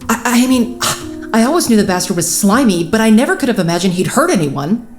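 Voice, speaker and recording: An earnest, sharp-minded investigator with a fairly high voice, over background music. She is anxious and indignant, speaking naturally as in an audio drama. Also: very animated, fast talker. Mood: shaken, defensive.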